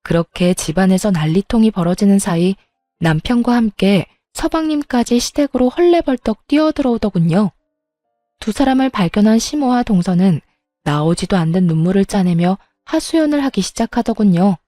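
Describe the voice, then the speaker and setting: A woman narrates a first-person story in a steady, confiding way. Her voice is mellow and warm, recorded dry and close, with faint music behind her. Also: medium pitch, moderate pace, no echo. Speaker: storyteller narrating as daughter-in-law.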